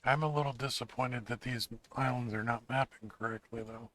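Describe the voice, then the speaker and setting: Guy with a hoarse voice talking through a survival game, laid back, average pitch. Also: fairly even intonation, brisk, a bit bright, no room sound. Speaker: gaming channel host. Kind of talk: casual let's-play commentary.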